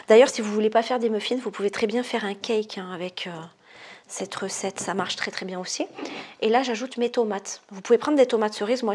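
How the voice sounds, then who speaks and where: A woman's voice: fairly high pitch, slightly rough. A woman hosting a casual cooking video, chatty and self-amused, often dropping her voice to a murmur.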